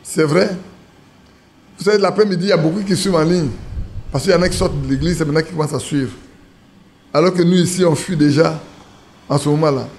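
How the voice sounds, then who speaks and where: This preacher from Ivory Coast talks fast but leaves long pauses, his rather high voice a little mellow, with slight hiss or hum present. He delivers an informal, conversational sermon to his church assembly and poses questions to the congregation.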